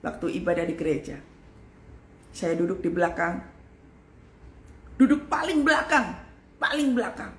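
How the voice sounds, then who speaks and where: A woman pastor giving an earnest, emphatic sermon, calling her listeners "saudara" and swinging between loud exclamations and soft whispers. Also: on the low side. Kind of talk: live-streamed sermon. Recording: echoey room with faint ambient noise.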